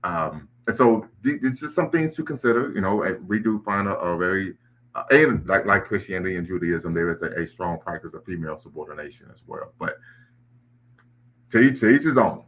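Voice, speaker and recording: A man's voice: deep voice, expressive, brisk, a bit bright, rough recording. A man hosting a live online discussion, lecturing at length and citing history, with frequent restarts. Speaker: livestream host.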